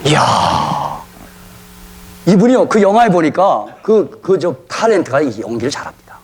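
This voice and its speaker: A man's voice: fairly high pitch, huge pitch swings, unhurried, breathy edge. A man preaching a sermon as pastor in a church, telling stories animatedly and getting the congregation to repeat after him.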